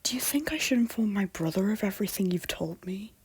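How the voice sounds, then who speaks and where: A woman playing an anxious, loyal young prince in an audio drama, earnest and breathy, moving between hushed and urgent. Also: medium pitch, expressive, brisk. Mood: worried. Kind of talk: intimate audio drama acting.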